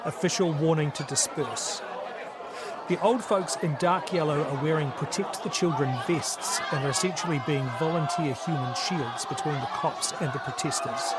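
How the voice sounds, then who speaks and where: A man filming a street protest on his phone, giving dry, wry commentary as things happen. His voice sits a little high, and loud crowd noise and city ambience fill the background of the phone recording. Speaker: reporter on the ground. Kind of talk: live commentary on phone video. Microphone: phone camera. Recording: phone video in a noisy crowd.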